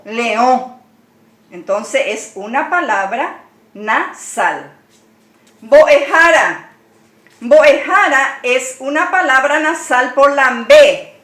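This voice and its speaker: A woman's voice: high-pitched, fairly bright tone, roomy sound. A woman teaching a language lesson, patiently spelling words out letter by letter and explaining each one.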